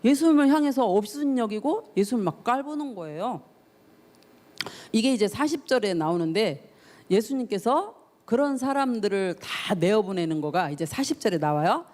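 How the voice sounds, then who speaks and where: Speaking at a moderate pace in a medium-pitched, darkish, expressive voice, a woman youth pastor delivers a sermon to teens. She tells the story with emotion, acts out the people in it, and puts questions straight to her audience.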